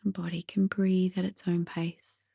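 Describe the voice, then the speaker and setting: A woman gently guiding a sleep meditation in a soothing, soft and breathy voice that drifts toward a whisper. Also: lowish voice, little pitch movement, unhurried, no room sound, studio quality. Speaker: meditation guide.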